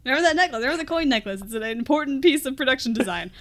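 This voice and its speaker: A woman with a fairly high voice hosts a casual film podcast. She retells scenes conversationally, with a giggly, amused manner and a dry streak of sarcasm. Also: expressive, racing. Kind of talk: casual comic movie recap chat.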